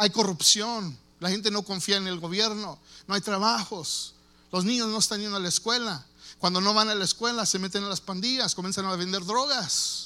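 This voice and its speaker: With a bright, sharp tone and a raised, projected voice, a man speaks at high pitch and a moderate pace using ordinary pitch variation. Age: 40s. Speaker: pastor. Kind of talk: sermon. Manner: halting.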